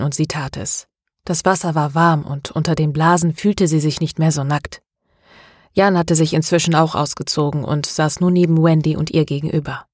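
A woman narrates a novel in a steady, measured way, her voice low. The recording is close and dry, with no room around it. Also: dry recording. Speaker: audiobook narrator. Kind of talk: scripted narration.

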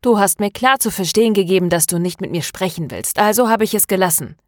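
A woman's voice: mid-range voice, fast talker, dry recording, studio quality, voice pushed up, lightly acted. A woman reading the lines of a tense, defensive young woman in an audiobook, answering in clipped, irritated replies.

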